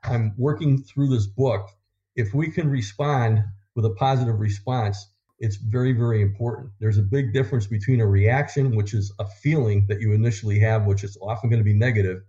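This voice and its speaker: A man who is a guest author, talking quickly and with enthusiasm about positivity and habits in a casual conversation. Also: on the low side, warm tone, highs cut off. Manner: fast-talking, enthusiastic, motivational.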